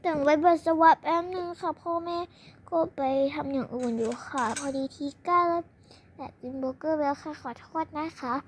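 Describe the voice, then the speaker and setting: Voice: high voice, a little fast, slight background noise. A child voicing a polite, earnest older sister who speaks to her mother dutifully in a pretend play. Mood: apologetic. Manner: polite, earnest, uses polite endings.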